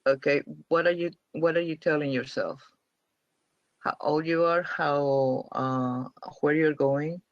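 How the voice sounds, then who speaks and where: Higher-pitched man teaching, dull dry sound. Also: steady tone, takes it slowly, no echo. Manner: emphatic, repetitive explaining. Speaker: spiritual teacher. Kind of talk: question-and-answer class.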